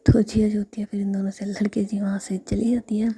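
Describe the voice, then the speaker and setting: A woman narrating a story in a steady whisper. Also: medium pitch, fairly quick, slightly rough.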